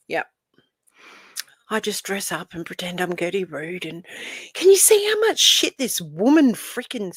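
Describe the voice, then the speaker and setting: A woman's voice: mid-range voice, dry recording. A woman hosting a live stream, talking to her chat in a sarcastic, mocking way with theatrical gasps.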